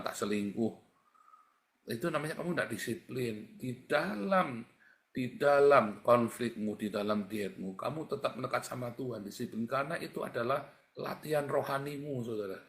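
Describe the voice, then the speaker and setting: A man's voice: mid-range voice, sharp tone. A man preaching a livestreamed sermon as a pastor, in a conversational, blunt and colloquial way, often calling his listeners brothers and sisters. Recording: echoey room.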